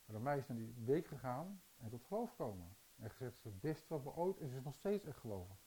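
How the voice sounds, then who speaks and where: Mellow-voiced man preaching with stories. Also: mid-range voice, big pitch swings, fast, husky, poor audio. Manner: storytelling, rhetorical questions to the audience. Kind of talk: sermon with stories.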